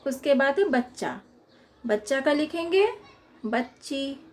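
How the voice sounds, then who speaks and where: A high-pitched woman teaching young children, going slowly through workbook questions and spelling out each answer. She speaks in an unhurried, patient way, as if pausing for them to write it down. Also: expressive. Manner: slow, patient explaining, reading questions and dictating answers.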